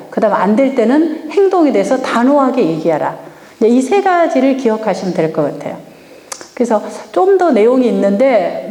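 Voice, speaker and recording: A woman's voice: mid-range voice, mellow. A middle-aged woman giving a lecture on family communication, questioning the audience and acting out sample lines. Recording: echoey hall with long reverb.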